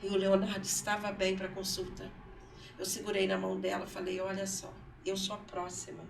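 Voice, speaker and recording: Speaking as a guest in a council studio, this mother delivers emotional testimony about her own life, voicing her son's lines and going over the same points again and again. Her mid-range voice is creaky and utterly flat, fairly quick, and picked up by a distant mic in an echoey room with a little hiss or hum.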